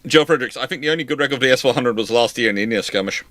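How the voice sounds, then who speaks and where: A man's voice: medium pitch, racing, fairly bright tone. A man hosting a live naval history question stream, talking in a rambling, sarcastic way with many restarts. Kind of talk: casual live Q&A talk.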